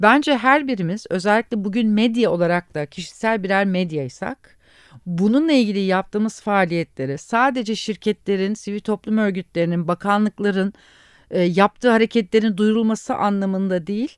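A plain, everyday voice from a woman at medium pitch and moderate pace, with ordinary pitch variation, dry and close with no echo, on a very clean recording with a silent background. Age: 40s. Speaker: corporate sustainability director. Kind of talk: interview. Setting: studio.

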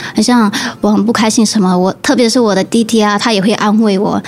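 A fairly high-pitched woman at a fairly quick pace amid noticeable background noise. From Singapore. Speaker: singer and actress, former K-pop idol. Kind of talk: interview.

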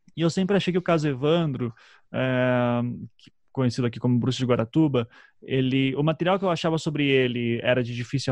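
At a fairly quick pace, a man talks in a normal speaking voice at medium pitch with ordinary pitch variation. The sound is dry and close, with no echo. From Curitiba, southern Brazil. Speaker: podcaster and journalist. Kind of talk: casual interview.

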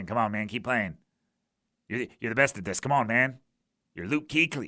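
In a put-on character voice at a medium pitch, a man speaks at a moderate pace on a very clean recording with a silent background. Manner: tempting, coaxing.

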